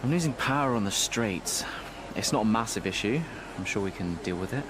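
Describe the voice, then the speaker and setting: A modest young male driver voiced by an actor with a lowish voice, speaking earnestly and with some hesitation in a game cutscene. There is clear noise in the background. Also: expressive, fairly quick, natural voice. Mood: unsure. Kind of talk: video game cutscene acting.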